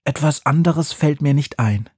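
Man putting on a gentle old witch, soft, a bit husky, slow storybook. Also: a little high, no echo, studio quality, voice pushed up. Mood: calm. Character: kindly old witch woman, calm and gentle. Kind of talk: storybook reading.

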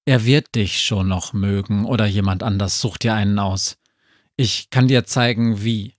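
A man's voice: on the low side, fairly even intonation, measured pace, no echo, clean studio sound. A man voicing a grumpy, scheming dwarf who grumbles and snorts in a storybook reading.

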